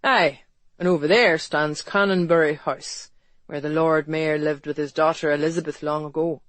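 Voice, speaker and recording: Woman playing a low, quiet, charming Irish rogue. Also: steady tone, normal speed, no room sound, natural voice. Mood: teasing. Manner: quiet, coaxing. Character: calm, teasing young Irish man, charming peacemaking rascal.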